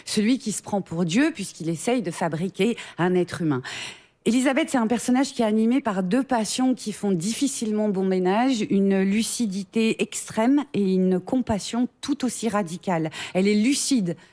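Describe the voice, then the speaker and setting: A woman's voice: medium pitch, lively intonation, moderate pace, a little mellow. A woman reading an ironic, scripted humorous column in a radio studio. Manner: ironic storytelling read from a script.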